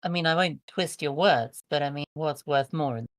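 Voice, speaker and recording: A woman's voice: low voice, fairly quick, no room sound, studio quality. A woman playing a tabletop role-playing game, talking casually in character.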